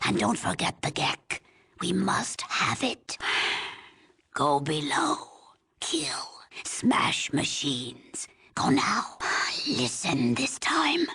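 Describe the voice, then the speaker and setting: An old tribal village elder, stern and weary. Her low voice is badly husky and often drops to a whisper. She speaks solemnly and haltingly, as one used to giving orders. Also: very animated, pushed and bright, exaggerated voice. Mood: stern, urgent. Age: older. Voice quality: breathy, husky rasp. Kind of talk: dramatic video game voice acting.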